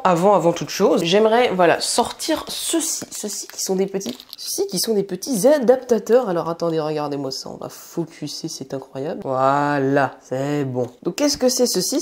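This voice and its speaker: A woman's voice: mid-range voice, a little mellow. A woman hosting a casual tech unboxing vlog, rambling and chatty with many fillers and restarts, recorded indoors on a wireless mic. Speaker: tech video host.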